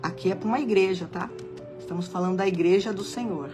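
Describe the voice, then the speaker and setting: Over music in the background, a woman talks at a moderate pace and a medium pitch. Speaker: preacher. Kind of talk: sermon.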